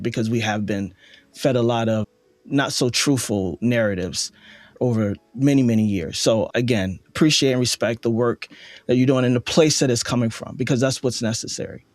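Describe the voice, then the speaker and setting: A man's voice: mid-range voice, normal speed, no room sound. A man hosting a reflective interview, speaking earnestly and affirming his guest as a fellow creator. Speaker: interview host, audio dramatist.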